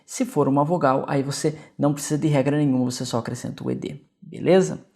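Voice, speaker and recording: Gravelly-voiced Brazilian male English teacher. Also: a little high, fairly even intonation, fast talker, darkish tone. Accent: Brazilian Portuguese. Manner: patient, checks in often with short questions. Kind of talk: explanatory video lesson.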